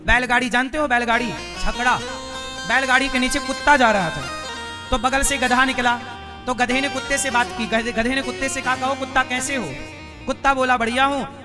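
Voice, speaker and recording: A man preaching a devotional sermon, telling stories and questioning and teasing his audience. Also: extremely high pitch. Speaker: katha preacher.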